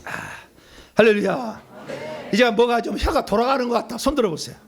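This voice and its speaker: A Korean man, a pastor, teaching a charismatic prayer meeting with animated, emphatic, folksy explanations. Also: extremely high pitch, very fast. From South Korea.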